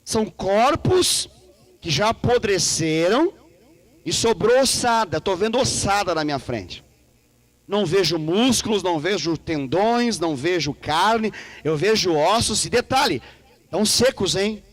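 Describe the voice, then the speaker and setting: A male Brazilian pastor delivers an animated, playful sermon, acting out conversations in changing voices. His voice sits high and leaps through a wide, lively range. The sound is close and dry, with no room echo. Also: unhurried. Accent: Brazilian Portuguese. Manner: animated, acts out dialogues with God in shifting voices; playful, joking and laughing with the congregation. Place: church service.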